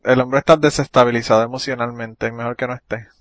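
A man's voice: mid-range voice, fairly even intonation, crowd noise. A man hosting a podcast in casual, joking chat, laughing often. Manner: joking, laughs often, talks fast in bursts. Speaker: podcast host.

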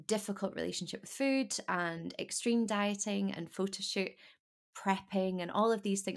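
Gravelly low-voiced woman podcast host. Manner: warm, chatty, trailing restarts. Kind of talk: casual interview chat.

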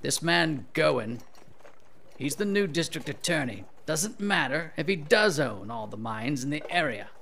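A man acts out a stern, resigned male officer in a role-play drama. His voice is fairly high and slow, giving orders with measured authority over faint background noise. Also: expressive, vocal fry, pushed and bright, full character voice. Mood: weary, resigned. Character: stern, resigned male commanding officer in an old mining town.

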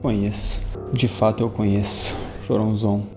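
A man's voice: fairly low pitch, level tone, a little slow, over music. A man talking casually as a player in a tabletop role-playing session.

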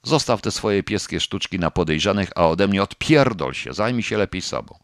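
A contemptuous husband snaps and jeers in crude bursts, voiced by a man reading an audiobook. The voice climbs high above the reader's low register. The sound is dry and close, with no room around it. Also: animated, normal speed, no echo. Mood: furious. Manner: mocking, crude, talks through clenched teeth. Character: scornful, furious husband, a lawyer. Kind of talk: audiobook character voice.

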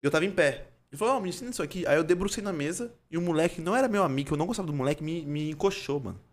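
A young man with a São Paulo accent telling animated, slangy stories in casual chat, with sound effects. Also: on the high side, very fast. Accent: São Paulo Portuguese. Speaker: storyteller in a chat.

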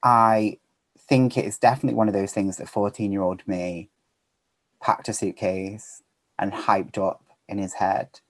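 A man's voice: lowish voice, measured pace, dry recording. A man as a podcast guest, talking casually and animatedly, filling his speech with "like" and "kind of.". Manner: animated storyteller, lots of fillers like "like" and "kind of". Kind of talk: casual interview chat.

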